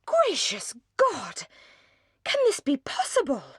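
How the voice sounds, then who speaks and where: A passionate young Englishwoman from a classic novel, played by a woman narrator. Her voice is high and dramatic, full of feeling, and recorded close and dry. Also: huge pitch swings, slow pace, fairly bright tone, no echo, full character voice. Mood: indignant. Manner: impassioned, dramatic. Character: passionate, emotional young woman, romantic sister. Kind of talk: audiobook character dialogue.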